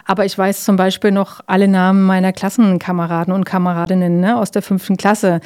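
A woman giving calm, explanatory answers in an interview, with frequent fillers and tag questions. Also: mid-range voice, fairly quick, smooth.

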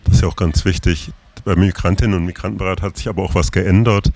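Deep-voiced male radio host. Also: fairly even intonation, fast talker, vocal fry, a little mellow. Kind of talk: community radio interview.

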